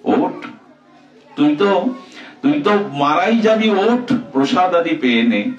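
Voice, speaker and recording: A man's voice: fairly high pitch, sing-song, takes it slowly, faint music behind, voice pushed up. Man voicing a tender, coaxing god, slightly raised; echoey, muffled sound. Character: god Krishna, tender fatherly. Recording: echoey, distant, dull mic.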